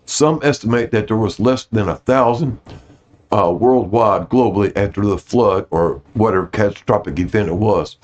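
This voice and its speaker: With a fairly low, darkish voice at a moderate pace, a host casually reads out notes to his viewers. When he stumbles on words he corrects himself and apologizes for his pronunciation, all in dull lo-fi audio.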